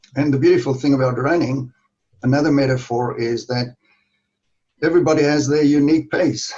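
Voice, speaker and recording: Fairly high-pitched and somewhat breathy, a man speaks in a dark, mellow tone at a moderate pace with fairly even intonation. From South Africa. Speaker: pediatrician and author. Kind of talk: podcast interview. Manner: halting, many fillers.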